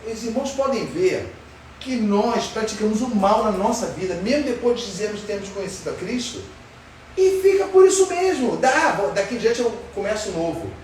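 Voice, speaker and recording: A man's voice: high voice, animated, a little fast, a little mellow. A man teaches a Sunday school Bible lesson, questioning his class in an emphatic way. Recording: roomy far-off sound with faint noise.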